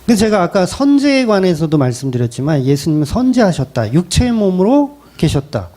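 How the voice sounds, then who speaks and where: A man's voice: high-pitched, sing-song, brisk, mellow. A middle-aged male pastor preaching a sermon in a conversational style, asking rhetorical questions. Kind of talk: expository sermon.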